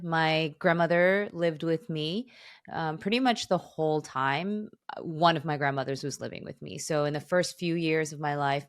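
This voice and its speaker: A woman in her forties with a low voice and an American accent, who spoke Korean first. She talks casually and personally as an interview guest, chuckling often. The sound is dry, without room echo. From suburbs of Chicago, United States. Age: 40s. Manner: chuckles often while talking. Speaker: podcast guest. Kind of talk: casual autobiographical interview talk.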